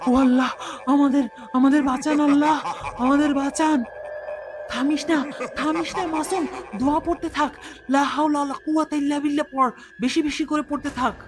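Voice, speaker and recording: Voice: high voice, steady tone, a little fast, noisy background, lightly acted. An actor voicing a terrified young boy in a cartoon, pleading urgently for his life. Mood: panicked. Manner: panicked, urgent. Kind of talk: cartoon dubbing.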